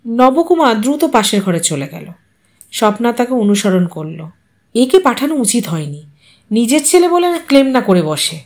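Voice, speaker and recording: High, animated woman narrator, expressive audio story reading. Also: moderate pace.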